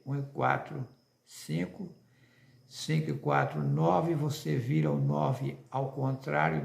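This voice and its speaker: A man's voice: on the high side, gravelly, roomy sound. A man with a Brazilian accent preaching an insistent religious monologue to viewers, full of rhetorical questions.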